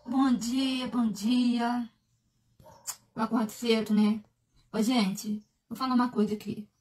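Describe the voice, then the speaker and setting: A woman on a phone livestream, ranting at commenters in a blunt, crude way that flares into shouting. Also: fairly high pitch, fairly even intonation, slow pace, slight background noise. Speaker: social media personality.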